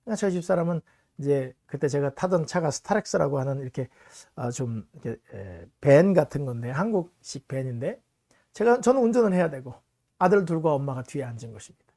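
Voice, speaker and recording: A man's voice: fairly high pitch, animated, a little fast, dark tone, dry recording, clean studio sound. A middle-aged man preaches a sermon in a storytelling way. He tells a family story as a pastor and keeps speaking to his congregation directly.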